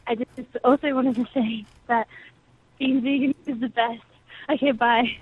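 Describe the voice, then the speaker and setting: An Australian woman leaves a casual message as a voicemail caller. Her voice is very high, and it comes through a thin, narrowband phone line. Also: steady tone, unhurried, slightly rough, dry recording.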